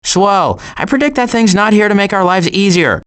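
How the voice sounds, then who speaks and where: Wisecracking, deadpan cartoon animal adventurer. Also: male voice, high-pitched, moderate pace, clean tone. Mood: dry, sardonic. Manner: dry sarcasm, deadpan asides. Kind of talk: animated video game voice acting.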